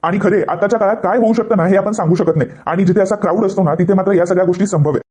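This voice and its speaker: A man's voice: high voice, very fast, darkish tone, natural voice. A man voicing a scheming older woman of the house who speaks in a sly, calculating way.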